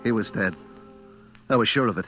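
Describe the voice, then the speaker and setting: An actor playing a desperate supermarket clerk trapped in the dark, confessing in halting, stammering old-time radio suspense style on a vintage recording. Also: male voice, on the low side, highs cut off, music in the background, close to an everyday voice. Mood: tense dread. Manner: breathless, halting, stammering narration with repetitions.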